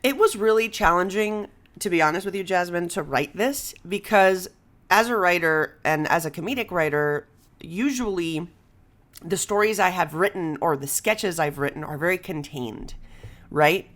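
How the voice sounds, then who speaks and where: A woman hosting a casual podcast conversation, expressive and exclamatory, slipping Spanish phrases into her English. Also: on the low side, normal speed. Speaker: podcast host and comedy writer.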